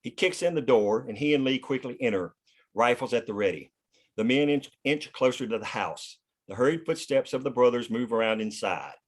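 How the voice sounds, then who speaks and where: A man's voice: medium pitch, expressive, a little fast. A man reading scene headings and stage directions aloud as scripted narration at a table read.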